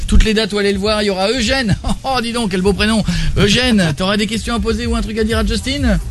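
A man's voice: high voice, fast talker. A man hosting a live radio interview in a studio, joking and teasing, switching into broken English. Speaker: radio host. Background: music.

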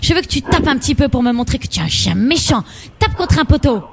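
A woman's voice: high-pitched, very animated, quick pace, gravelly, crowd noise. A woman radio host giving teasing, bossy commands to a caller during a prank call.

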